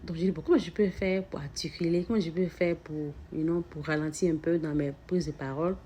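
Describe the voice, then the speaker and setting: A woman with a somewhat low voice gives an earnest, reflective self-help talk as a mother addressing her listeners. She stutters often, doubling words and restarting phrases. A faint background hum sits under her voice. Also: steady tone, fairly quick, warm tone. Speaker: mother sharing personal reflections.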